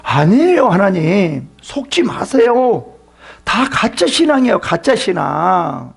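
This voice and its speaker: A man's voice: high-pitched, sing-song, slow, creaky, slightly rough, pitched above the performer's own voice, heavily acted. A man voicing Satan as a scheming accuser who urgently pleads with God. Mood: pleading.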